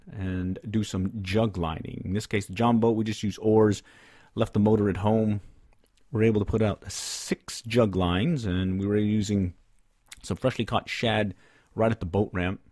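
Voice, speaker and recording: A middle-aged man recaps a fishing trip for his podcast, drifting through his points with frequent "uh"s and restarts. His voice sits low, and the close studio microphone gives it a dry, dead sound with no room around it. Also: flat delivery, normal speed, darkish tone, dry recording. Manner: rambling, many "uh" fillers and restarts. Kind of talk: casual solo podcast recap. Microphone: studio condenser mic on stand, close.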